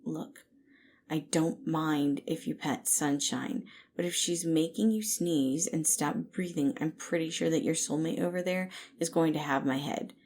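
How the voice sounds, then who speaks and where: A woman's voice: low voice, unhurried, darkish tone, a little hiss or hum. A woman voicing a wary, sullen, reluctant man with a curt, grudging manner in an audio story.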